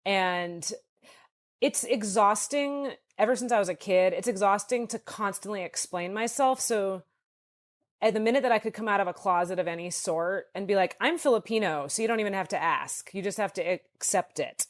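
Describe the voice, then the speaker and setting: A woman's voice: medium pitch, moderate pace. Thirty-something american woman, folk singer guest, earnest, says like a lot. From United States. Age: 30s. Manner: earnest, reflective, says "like" often. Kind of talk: casual interview chat.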